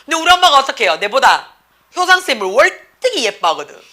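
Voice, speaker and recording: Woman, 40s, Gyeongsang Korean accent, English academy teacher; higher, bright and very animated delivery, chatty and teasing, keeps checking in with the class. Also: fast. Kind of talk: classroom lecture.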